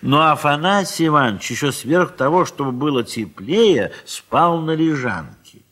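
A man narrating a literary audio play in a measured storytelling manner. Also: fairly high pitch, lively intonation, fairly bright tone.

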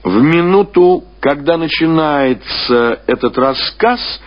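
A man reading classic literary prose as a radio narrator, in a measured, expressive storytelling manner with deliberate phrasing. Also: fairly high pitch. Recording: dull lo-fi radio recording.

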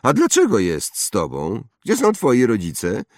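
A man's voice: medium pitch, huge pitch swings, unhurried, a little mellow, no echo, clean studio sound, pitched above the performer's own voice. A man voicing an arrogant, snobbish young wizard boy who boasts and mocks. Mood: boastful. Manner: boastful, mocking.

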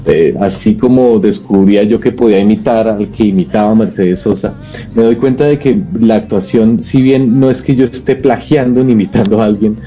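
Actor guest, low dark tone, muffled radio sound, easygoing and hesitant. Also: male voice, moderate pace, faint music behind. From Colombia. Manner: reflective, with frequent hesitant fillers. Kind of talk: casual conversational interview answers.

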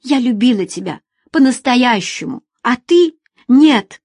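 A woman's voice: high-pitched, a little slow, a little mellow, no echo, clean studio sound, voice pushed up. A woman voicing a desperate former lover, who pleads in a weepy, trembling voice, as in an audiobook. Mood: indignant.

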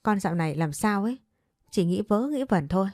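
A woman's voice: mid-range voice, expressive, fairly quick, a little mellow, no room sound, clean studio sound, close to an everyday voice. A woman voicing a stern, dismissive middle-aged mother in a spoken ghost story, with a brusque, scolding manner.

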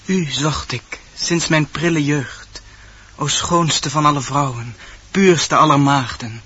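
A man's voice: fairly high pitch, slow pace, bright, forceful tone, breathy edge, exaggerated voice. A man playing an ardent, courtly young prince in a radio play, declaiming verse solemnly and poetically. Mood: adoring. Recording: dull old radio recording. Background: music.

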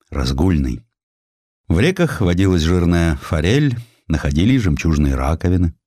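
A man narrates literary historical tales in a low voice. His delivery is theatrical and folksy, savoring phrases with sweeping intonation. The recording is close and dry. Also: mellow, dry recording. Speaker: audiobook narrator. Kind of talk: expressive literary storytelling of historical sketches.

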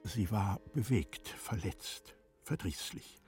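An actor narrating a literary radio play as a measured, reflective storyteller with a husky voice. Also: male voice, lowish voice, lively intonation, darkish tone, soft background music. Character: measured, reflective male narrator of a classic novel.

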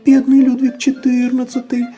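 A tiny chirping hen, squeaky and stammering. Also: male voice, monotone, normal speed, dark tone, lo-fi sound, faint music behind. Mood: flustered. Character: tiny chirping young hen, fussy and chattering.

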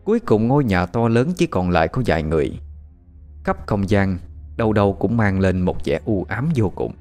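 A man's voice: lowish voice, big pitch swings, normal speed, a little mellow, soft background music. A man narrating a horror audio story in a dramatic storytelling manner.

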